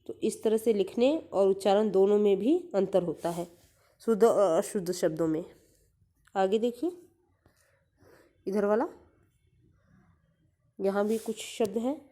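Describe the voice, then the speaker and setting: A woman teaches young children in an unhurried, mellow voice. She says each word aloud several times and walks through the letters and vowel marks with patience. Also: medium pitch. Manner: slow, repeats each word aloud for pupils; patient, explains letters and vowel signs step by step. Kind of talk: Hindi grammar lesson for children.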